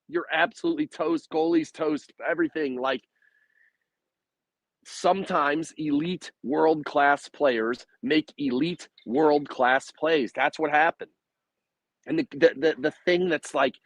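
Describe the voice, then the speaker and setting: A man hosting a postgame hockey livestream, speaking bluntly and with frustration in a hoarse, raspy voice that is recovering from laryngitis. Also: medium pitch, no room sound. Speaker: hockey podcast host. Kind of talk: postgame sports commentary.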